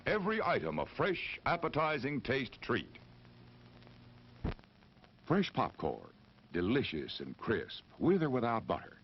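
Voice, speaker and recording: Slow, very animated American male announcer. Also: medium pitch. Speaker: advertising announcer. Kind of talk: vintage drive-in intermission promo. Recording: muffled noisy old film soundtrack.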